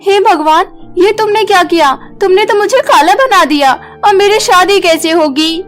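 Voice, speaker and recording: A woman's voice: unhurried, faint music behind. A woman voicing a distressed, indignant young salon customer in a cartoon moral story. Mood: distraught. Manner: high, wailing indignation.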